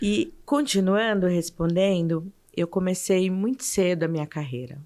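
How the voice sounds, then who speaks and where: Her tone dark and mellow, a woman speaks at a fairly slow pace and medium pitch with lively intonation. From Brazil, interior of Bahia. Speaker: business development director. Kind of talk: interview.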